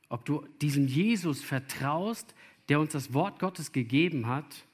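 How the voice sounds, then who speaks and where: A man preaching with a deliberate, unhurried delivery. He speaks earnestly and turns straight to his young listeners. His voice sits at an ordinary middle pitch. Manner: earnest, addresses listeners directly. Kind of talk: sermon to children or youth.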